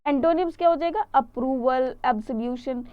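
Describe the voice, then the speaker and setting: Indian woman, young, high voice, exam-prep vocab teacher, talks in questions, dry close sound. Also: moderate pace, clear, resonant tone, no room sound, highs cut off. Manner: chatty explaining, asks questions and answers them. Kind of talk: online exam-prep lesson.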